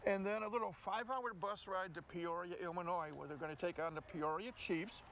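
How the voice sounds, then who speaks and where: A man's voice: high voice, fairly even intonation, fairly quick, a bit bright. An older American man, a play-by-play announcer, talking sports as a co-host and repeating words for emphasis. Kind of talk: sports commentary chat. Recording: faint ambient background noise.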